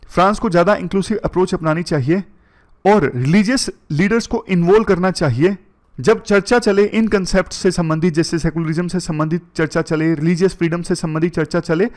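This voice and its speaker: A man's voice: high-pitched, a little mellow. A man teaching current affairs for an exam, going through points one by one and mixing in English terms. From India. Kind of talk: exam-prep lecture.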